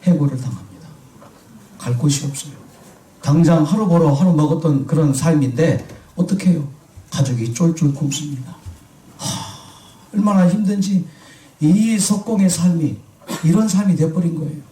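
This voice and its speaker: Male pastor, fairly high voice, questioning the congregation, recorded from a distance in a reverberant hall. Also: moderate pace, warm tone. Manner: asks the congregation questions and answers himself. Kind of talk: sermon.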